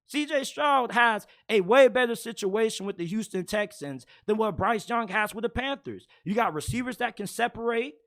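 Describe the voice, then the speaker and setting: A man with a raspy, hoarse voice hosts casual sports talk in a strikingly high register. His tone is bright and sharp, and his delivery is blunt and opinionated, quick to get heated. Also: expressive. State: hoarse from yelling. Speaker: sports commentator host.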